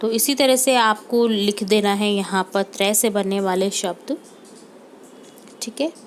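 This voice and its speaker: A woman's voice: mid-range voice, measured pace, a little hiss or hum. A woman teacher going through a homework lesson for young pupils, patiently repeating example words and checking in with the class.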